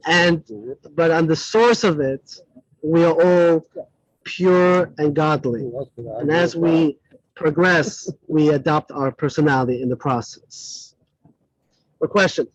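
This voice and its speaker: A man with a somewhat high voice from Switzerland, not a native English speaker, gives an animated classroom lecture and takes audience questions. He speaks slowly with long pauses, corrects himself, and adds chatty asides. The recording is dry, dull, and lo-fi.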